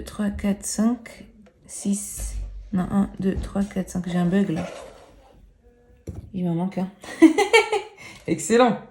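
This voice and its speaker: A woman's voice: mid-range voice, vocal fry, a little mellow, a little hiss or hum. A woman hosting a crafts tutorial, chatty and playful, mocking herself, swearing casually and counting knots aloud as she works. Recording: roomy echo.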